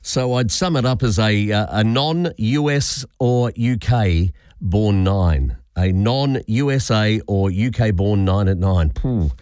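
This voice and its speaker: A man's voice: lowish voice, slow pace, few pauses, darkish tone, clear, resonant tone, dry recording. Australian male radio host, dry studio sound. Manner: hesitant, many fillers. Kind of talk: casual radio chat. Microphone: studio microphone.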